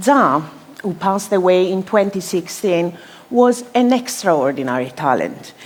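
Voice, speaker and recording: With an Italian accent, a woman's medium-pitched voice swings very widely in pitch, recorded with audible room echo and noticeable background noise. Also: moderate pace. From Italy. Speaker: architect. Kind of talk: conference talk. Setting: stage with audience.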